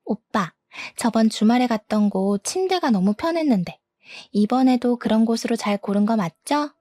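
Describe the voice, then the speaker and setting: A woman's voice: fairly high pitch, animated, moderate pace, mellow, dry recording. A woman voicing a young mistress who talks sweetly and coaxingly, in a pampered way.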